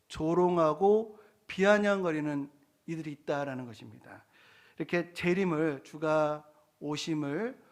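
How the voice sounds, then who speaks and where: A middle-aged male pastor delivers a sermon in a somewhat high voice. He speaks earnestly and keeps turning to his congregation with rhetorical questions. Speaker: senior pastor.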